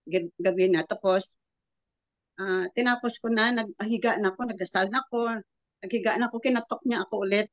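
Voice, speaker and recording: A woman in her seventies sharing a personal testimony with a prayer group. She tells it in a halting, rambling way and acts out the quoted dialogue. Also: medium pitch, dry recording, muffled recording. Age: 70s. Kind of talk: personal testimony, casual storytelling.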